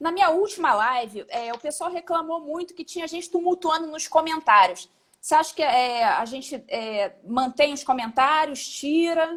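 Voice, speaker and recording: Speaking in a Carioca accent, a woman with an extremely high pitch makes very wide pitch swings. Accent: carioca, hissing 's' kept. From Rio de Janeiro. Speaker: live stream host. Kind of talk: casual chat. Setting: Instagram live video.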